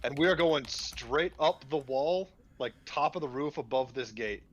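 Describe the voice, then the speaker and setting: A man with a medium-pitched voice plays a tabletop game. He talks casually, describing his moves. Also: moderate pace, slight background noise.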